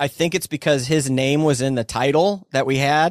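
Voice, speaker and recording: In a very clean recording with a silent background, a man talks at a moderate pace in a normal speaking voice, with ordinary pitch variation and a dry, close sound with no echo. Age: 40s. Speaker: documentary filmmaker. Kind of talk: casual chat.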